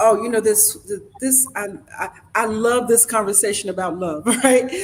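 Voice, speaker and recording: Noticeable background noise behind a woman with a fairly high pitch, ordinary pitch variation and a moderate pace. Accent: Southern US. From US South, small town. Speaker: talk show host. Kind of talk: live panel discussion.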